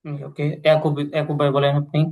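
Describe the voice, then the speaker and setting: A man's voice: fairly high pitch, completely flat delivery, fast, a little mellow. A man teaching an English class, explaining patiently and repeating himself a lot. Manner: repetitive, patient, many fillers and pious phrases. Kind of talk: online language class, explaining to students.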